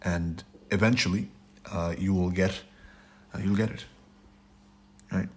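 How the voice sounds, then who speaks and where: A man with a raspy, hoarse voice teaching a trading lesson over slides, blunt and repetitive, often checking in with "right?". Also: sits low, fairly even intonation, a little slow. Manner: blunt, repeats "right?" and "it's your fault". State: hoarse, sore throat. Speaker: trading instructor.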